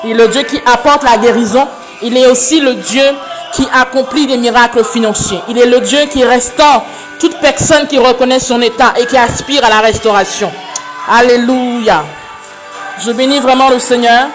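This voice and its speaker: A woman leading an online prayer session, speaking fervently with repeated phrases that often rise near a shout. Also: a little high, moderate pace, soft background music, some chatter behind. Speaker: prayer leader.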